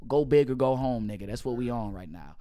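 A man's voice: medium pitch, expressive, a little fast, dark tone. A man in his late twenties hosting a casual podcast chat, talking loosely with slang and frequent laughter. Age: 20s. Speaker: podcast host. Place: Houston area. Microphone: studio mic.

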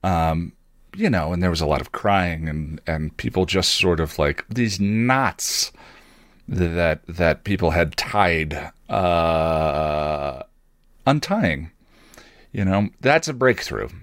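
A man telling a personal story as a podcast host, reflective and wry, halting now and then as he searches for words. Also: low-pitched, animated, dry recording, clean studio sound.

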